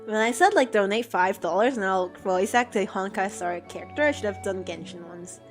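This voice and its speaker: A woman's voice: medium pitch, moderate pace, faint music behind. A woman chatting casually with her livestream audience, talkative and given to mock-dramatic outbursts. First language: English. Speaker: art streamer answering chat.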